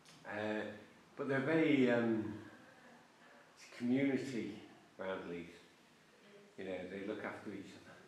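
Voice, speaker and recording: Speech comes at a fairly slow pace, broken by long, frequent pauses, with ordinary pitch variation and big swings in loudness. The room echo is audible, and background noise is noticeable. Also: man, fairly low pitch for a man. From northern England, Cheshire. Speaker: Buddhist centre resident. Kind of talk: casual chat. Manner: halting.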